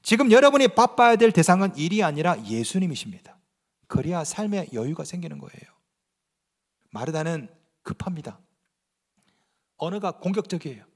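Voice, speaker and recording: A male pastor preaching a sermon in church. He asks the congregation questions and swings between loud, emphatic lines and hushed, almost whispered ones. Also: high-pitched, big pitch swings, moderate pace, long pauses, big-room sound.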